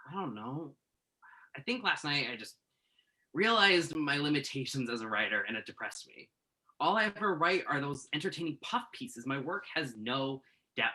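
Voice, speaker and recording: Guy acting a glum self-doubting male writer, bright forceful voice, sardonic, play reading. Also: on the high side, sing-song, moderate pace, heavily acted, poor audio. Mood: frustrated, dejected.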